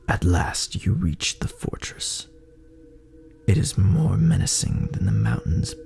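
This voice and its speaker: Deep gravelly man, breathy near-whispers, slow ominous horror narration, dramatic drawn-out phrasing, music behind. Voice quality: gravelly, breathy, often dropping toward a whisper. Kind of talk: scripted dramatic sci-fi horror story narration in second person.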